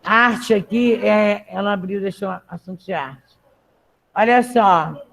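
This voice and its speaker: A woman's voice: medium pitch, slow pace, gravelly, a bit bright. A woman teaching a Portuguese class, reading a text aloud and patiently explaining spelling rules to her students. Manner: patient, checks in with frequent "tá?". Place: classroom with students in the room and at home.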